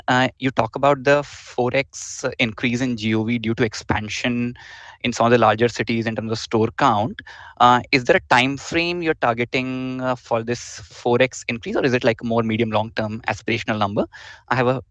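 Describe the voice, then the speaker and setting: Indian guy, analyst on an earnings call, polite and formal, medium pitch, dry sound. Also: steady tone, fairly quick, a bit bright, no room sound. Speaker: analyst asking questions.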